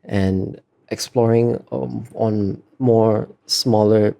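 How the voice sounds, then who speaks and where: Low-pitched, gravelly man thinking aloud. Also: steady tone, very slow, mellow. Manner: hesitant, thoughtful, searching for words. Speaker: artist being interviewed. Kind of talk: casual interview answers.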